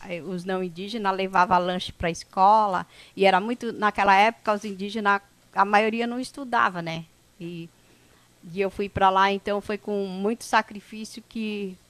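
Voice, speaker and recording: A woman from the São Paulo coast, a native speaker of a Brazilian indigenous language, recounts her life to an audience. She talks at a relaxed pace, often pausing to check in with a questioning "né?". Her voice sits at an ordinary middle pitch and is captured dry and close. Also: dry recording. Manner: unhurried, conversational, with frequent "né?" tags and restarts. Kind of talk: personal life story told to an audience.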